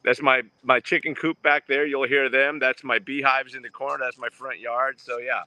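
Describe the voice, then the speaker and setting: A man who grew up in New Jersey, born in Portugal, chatting as a guest on a video call from outdoors in his garden, talkative and quick to laugh. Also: medium pitch, little pitch movement, pushed and bright, no room sound. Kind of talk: casual video chat.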